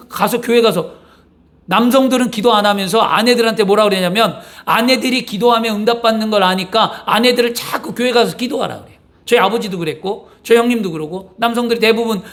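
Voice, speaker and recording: High-pitched guy preaching a sermon, pastor doing voices of grumbly husbands. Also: fairly bright tone. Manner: acts out complaining husbands in quoted asides.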